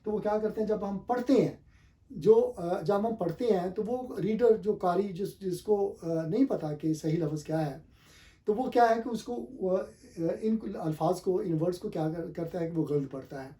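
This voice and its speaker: Teaching English pronunciation as if in a classroom, this man spells words letter by letter and repeats the correct forms with emphasis. He has an Urdu-speaking South Asian accent, and his warm voice sits high at a moderate pace.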